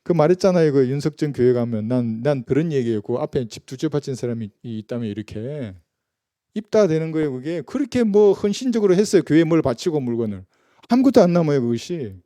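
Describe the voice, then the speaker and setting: A male pastor with a very mellow, warm tone and a fairly high pitch, preaching in a chatty, conversational way. He keeps asking his listeners rhetorical questions, and the sound is dry and close. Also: no echo. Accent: Gyeongsang Korean. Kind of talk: sermon. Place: church.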